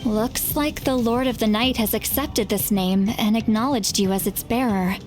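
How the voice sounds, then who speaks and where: A woman playing a seasoned, self-assured female tribal elder with a youthful voice in a video game, brisk, teasing and caring. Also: on the high side, a little mellow, close to an everyday voice, rough recording. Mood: focused. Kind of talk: video game character acting. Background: game music.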